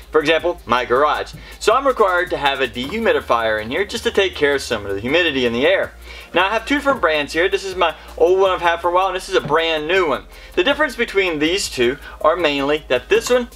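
A middle-aged man with a slightly high voice talks viewers through home repairs. He is plain-spoken and practical, explaining each step to camera, with music playing behind him. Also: a bit bright. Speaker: host of a home improvement how-to show. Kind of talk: instructional how-to explanation to camera.

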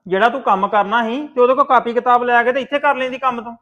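An actor playing a stern elder brother who scolds his sister loudly. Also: very high voice, steady tone, fast, roomy sound, dull audio. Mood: angry scolding. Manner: scolding, interrogating, loud. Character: stern angry elder brother, young adult man.

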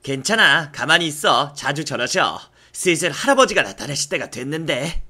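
A man's voice: on the high side, big pitch swings, moderate pace, bright, forceful tone, husky, heavily acted. A man voicing a cheerful, sheepish young male college student, placating and good-natured, in a comic webtoon dub.

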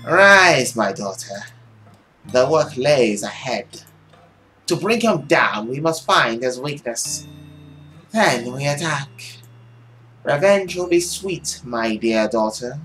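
A man's voice: mid-range voice, expressive, sharp tone, faint music behind. Stern vengeful mother, acted by a man. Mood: solemn, vengeful. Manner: slow, solemn, commanding. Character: stern vengeful mother commanding her daughter.

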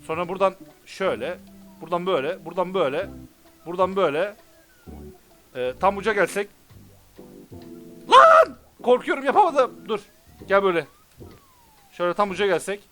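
A man giving let's play commentary, excitable and often frustrated and cursing. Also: sits high. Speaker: gamer. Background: game music.

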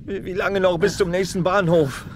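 A man's voice: sits high, fairly even intonation, normal speed, a little hiss or hum, close to an everyday voice. An actor playing a grieving male police detective in a radio crime drama. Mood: tense. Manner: desperate, anguished. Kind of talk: radio play acting.

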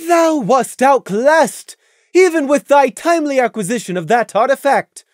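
A stern royal mare who speaks in thee and thou, pitched high and loud, as a reader puts her on. Her speech swings widely in tone, imperious and commanding. The recording is dry and close. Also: lively intonation, normal speed, no room sound. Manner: archaic formal speech, commanding. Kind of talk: audiobook reading of fan fiction.

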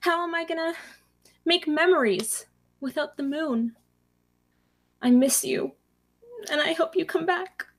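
A woman's voice: very high voice, a little slow, long pauses. A woman voicing a lonely soul who mourns the vanished moon, in a wistful, dramatic monologue. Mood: mournful.

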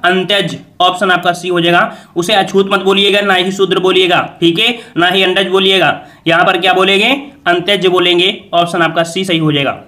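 A man's voice: high-pitched, little pitch movement, brisk, hardly any pauses, pushed and bright. A man teaching an exam revision lesson, quizzing viewers and repeating each answer as a question.

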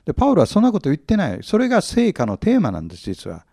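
A man's voice: sits high, wildly swooping pitch, very fast, mellow, dry recording, studio quality. A male pastor teaching from the Bible, often asking his audience questions, stressing words with force and acting out small humorous scenes. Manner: humorous, acts out little scenes.

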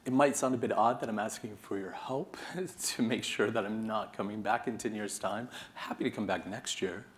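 A man's voice: on the low side, a little hiss or hum. A man in his thirties from California with an American accent, giving an earnest, passionate conference keynote to a seated audience. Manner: earnest, animated, passionate delivery. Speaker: keynote speaker. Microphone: podium microphone, moving around the stage.

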